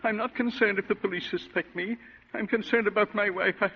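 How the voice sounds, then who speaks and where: A gravelly worried rich husband, kinda high voice, old reverby radio sound. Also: male voice, steady tone, brisk. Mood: anxious. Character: worried wealthy older husband, grave, pleading. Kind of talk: 1940s radio acting. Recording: dull lo-fi radio recording in reverberant room.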